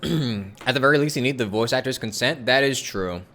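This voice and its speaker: A man's voice: medium pitch, normal speed, fairly bright tone. A man casually commentating on a game live stream, rambling as he chats with viewers. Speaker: game livestreamer. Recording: game music behind the voice.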